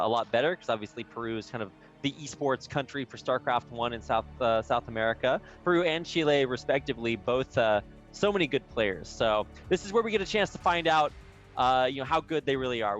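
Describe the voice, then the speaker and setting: Male play-by-play caster, casual and upbeat, mid-pitched, faint music under the voice. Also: a bit bright, highs cut off. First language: English, with Spanish as second language. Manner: chatty, upbeat, casual with many fillers. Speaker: esports caster. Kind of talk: live game commentary.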